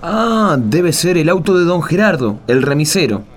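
A man's voice: fairly high pitch, sing-song, normal speed. A man playing a concerned, talkative friend in a radio drama, speaking with an Argentine accent. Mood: curious, concerned.

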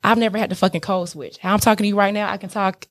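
A woman's voice: mid-range voice, steady tone, rapid-fire. A woman with an African American accent in candid, casual conversation, speaking emphatically with frequent swearing and checking in with the listener. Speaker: business owner being interviewed.

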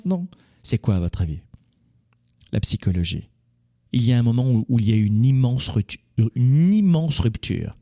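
A man's voice: mid-range voice, warm tone. A man gives an opinionated monologue, firing rhetorical questions at his listeners and answering them himself.

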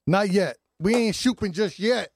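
A man hosting a morning radio show, chatting in an animated, joking way and laughing often. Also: sits high, normal speed, a little hiss or hum. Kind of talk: casual morning radio banter.

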